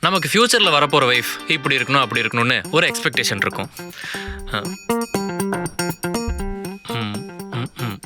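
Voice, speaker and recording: A man's voice: medium pitch, big pitch swings, moderate pace, pauses often, close to an everyday voice. An actor playing an exasperated young husband who talks to the camera and scolds his forgetful wife. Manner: exasperated, rising to angry shouts. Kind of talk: comedy web series acting. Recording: music bed under dialogue.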